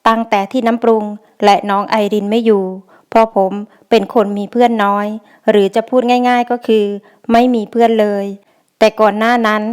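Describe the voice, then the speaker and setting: A woman narrating a Thai audio novel in a steady storytelling manner, speaking as the male first-person narrator. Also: on the high side, brisk, clean tone.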